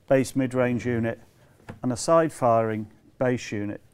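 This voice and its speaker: Englishman presenting products in a measured way. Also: mid-range voice, darkish tone. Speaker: company representative presenting products. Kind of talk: semi-scripted product presentation to camera.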